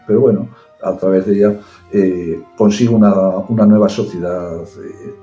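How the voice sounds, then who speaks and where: A man talks about literature as a guest, explaining ideas carefully and pausing on fillers. His voice is low and very dark in tone. The room is echoey, with faint music playing behind. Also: fairly even intonation. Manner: measured, explanatory, with hesitations. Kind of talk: casual chat about books.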